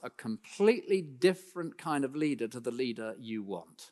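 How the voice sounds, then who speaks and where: In a British accent, a man with a fairly high voice talks at a moderate pace, his pitch swinging very widely. The sound is dry and close with no echo, over a quiet background. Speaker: preacher. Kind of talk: sermon. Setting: church.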